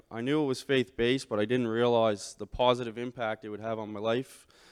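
A man with a Maritime Canadian accent speaks at medium pitch and a moderate pace, his intonation fairly even. The sound is dry and close with no echo, against a quiet background. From Saint Stephen, New Brunswick, Canada. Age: 20s. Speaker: recovering addict giving testimony. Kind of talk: testimony. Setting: church service. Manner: halting.

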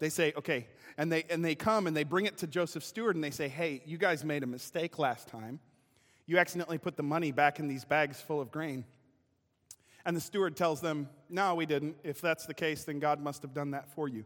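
A man's plain, everyday voice with an American accent, at a fairly quick pace and with ordinary pitch variation. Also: fairly high pitch for a man, very clean recording, silent background. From Kenosha, Wisconsin (US Midwest). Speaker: pastor. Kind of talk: sermon.

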